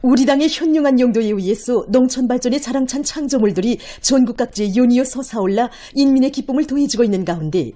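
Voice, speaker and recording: A woman's voice: fairly high pitch, fast talker, hardly any pauses, warm tone. North Korean woman reading state news. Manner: emphatic, declamatory cadence. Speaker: news narrator. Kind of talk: formal broadcast news narration.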